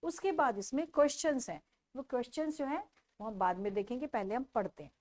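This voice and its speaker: A woman teaching a children's textbook lesson, repeating each question and answer slowly for young pupils. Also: on the high side, expressive, darkish tone.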